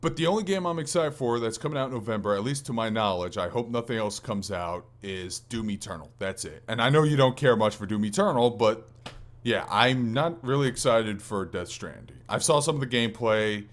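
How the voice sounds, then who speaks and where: A man's voice: medium pitch, brisk. A man hosting a gaming podcast in casual conversation, talking in a hesitant, rambling way and often correcting himself mid-sentence. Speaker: podcast host.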